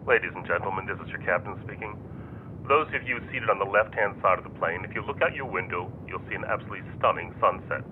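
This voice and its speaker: An actor playing a wisecracking airline captain making a deadpan announcement over the cabin intercom in a comic radio play. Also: male voice, fast talker. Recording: tinny cabin intercom with rumble.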